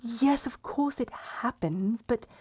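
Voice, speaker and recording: A woman's voice: a little high, expressive, takes it slowly, a little mellow, breathy edge, exaggerated voice. A woman playing a proud, blunt betrothed princess in a medieval romance audio roleplay, sardonic and exasperated in manner. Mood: weary, resigned. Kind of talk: romance audio roleplay acting, addressed to listener.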